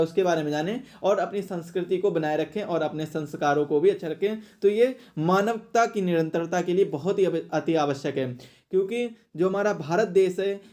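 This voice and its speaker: Guy w high voice doing exam coaching, explains stuff and repeats himself a lot. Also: a little mellow. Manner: explanatory, repeats phrases for emphasis. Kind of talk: question-and-answer exam lesson.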